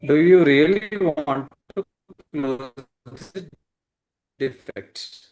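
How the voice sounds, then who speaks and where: A man's voice: on the high side, very slow, darkish tone, poor audio. Insistent South Asian man teaching. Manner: insistent, repeats questions, checks with "correct?". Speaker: medical examiner. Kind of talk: teaching and questioning. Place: webinar call.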